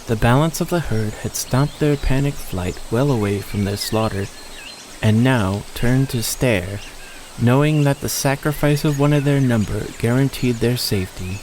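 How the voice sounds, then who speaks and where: A man's voice: mid-range voice, darkish tone, a little hiss or hum, poor audio. A man delivering scripted, dramatic narration of a story as the narrator.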